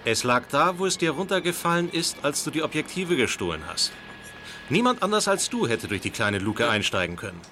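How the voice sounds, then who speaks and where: Radio play accuser: stern, emphatic, bright forceful delivery, faint street noise behind. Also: male voice, a little high, sing-song, a little fast. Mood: accusing, stern. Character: stern, accusing adult man confronting a thief. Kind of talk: German audio drama acting.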